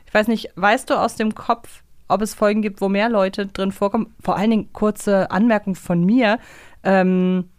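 Female podcast co-host, mid-pitched, reflective and conversational, recorded dry. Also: fairly even intonation, normal speed, a little mellow, no room sound. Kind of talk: casual podcast discussion.

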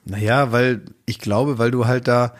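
A man hosting a relaxed talk show chat. He rambles and restarts his sentences as he thinks aloud, at a middle pitch. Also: measured pace. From Oldenburg, northern Germany. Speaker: podcast host. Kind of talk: casual chat.

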